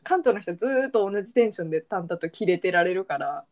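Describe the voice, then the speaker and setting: A woman's voice: lowish voice, quick pace. A young woman with a Kansai accent, chatting casually and telling stories on a podcast. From Osaka, Japan. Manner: lively, animated storytelling. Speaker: podcast co-host. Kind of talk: casual chat.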